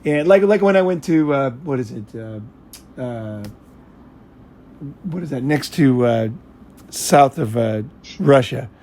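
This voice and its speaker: A man's voice: mid-range voice, animated, slow, pauses often, mellow, slight background noise. An American man chatting casually in a rambling, blunt way, with frequent swearing. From United States. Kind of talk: casual chat.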